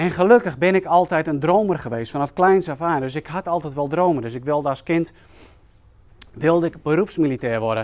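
In a plain, everyday voice, a man speaks fairly quickly at a fairly high pitch with lively intonation. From South Africa and the Netherlands. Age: 40s. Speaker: podcaster and motivational speaker. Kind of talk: personal testimony talk at a live event.

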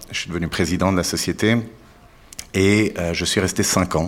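Speaking at a moderate pace, a man uses a very deep, low pitch in a monotone, flat delivery. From French-speaking Switzerland. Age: 40s. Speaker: entrepreneur. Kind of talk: interview. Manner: halting, many fillers and repetitions.

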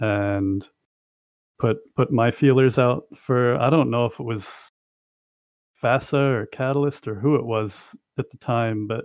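A man at medium pitch, fairly slow pace and fairly even intonation. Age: 30s. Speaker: game mech designer and artist. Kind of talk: casual chat.

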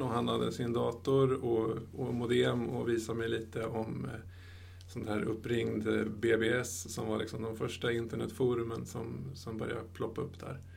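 Audible room echo surrounds a man who speaks at a moderate pace in a medium-pitched voice with vocal fry. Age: 40s. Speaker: software developer. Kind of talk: interview.

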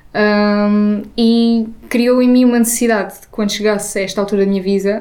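Her medium pitch holds fairly even intonation as the woman speaks. Audible room echo surrounds the voice. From Portugal. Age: 20s. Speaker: traveller. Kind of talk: casual chat.

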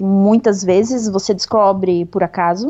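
A woman with a southern Brazilian accent speaks at a fairly slow pace. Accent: southern Brazilian, somewhat rural. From Rio Negrinho, northern Santa Catarina, Brazil. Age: 40s. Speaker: cycle traveller. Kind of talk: interview.

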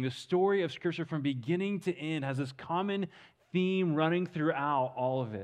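With an American accent, a man speaks in a normal speaking voice at a moderate pace, his pitch fairly high with ordinary variation. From western Kansas. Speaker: missions mobilizer, guest speaker. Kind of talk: sermon. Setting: church.

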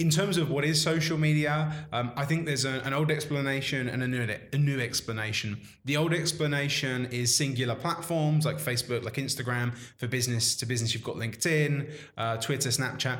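With a British accent, a man talks at a fairly quick pace and fairly high pitch, his intonation fairly even, amid noticeable background noise and audible room echo. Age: 20s. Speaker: social media marketing agency owner. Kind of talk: interview.

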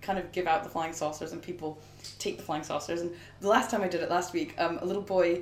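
A woman with a fairly low voice is heard over noticeable background noise. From Brooklyn, New York. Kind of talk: casual live interview chat. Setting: live stage show with audience at a festival.

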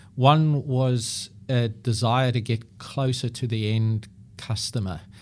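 Somewhat breathy speech moves along at a very slow pace. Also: man. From South Africa. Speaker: pension fund investment chief. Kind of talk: interview. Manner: measured.

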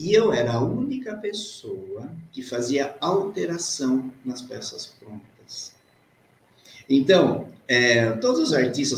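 Over noticeable background noise, a man speaks at a very slow pace with very wide pitch swings and big swings in loudness. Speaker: fashion patternmaker and sewing teacher. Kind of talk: interview.

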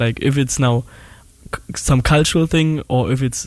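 An unremarkable speaking voice from a man, medium in pitch, moderate in pace, with fairly even intonation. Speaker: student. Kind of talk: casual chat. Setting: studio.

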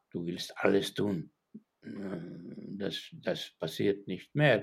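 A man with a Finnish accent speaks at a fairly low pitch, with ordinary pitch variation. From Finland. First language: Finnish (speaking German). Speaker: psychiatrist and psychotherapist. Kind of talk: interview. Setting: remote call from his studio. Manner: halting.

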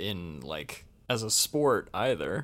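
Speaking at a very slow pace, a man of medium pitch talks with an American accent. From Michigan. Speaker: podcast co-host. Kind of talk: casual chat.

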